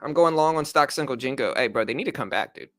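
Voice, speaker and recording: Fast and animated, this thirtysomething livestream host talks stocks and trading in a relaxed, meandering, slang-heavy way. His voice is medium in pitch with a fairly bright tone.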